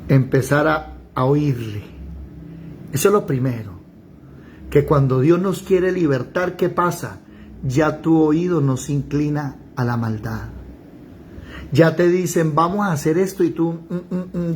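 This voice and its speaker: A man teaching a Bible study, firing rhetorical questions and breaking into shouted pleas. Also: fairly high pitch, a little hiss or hum.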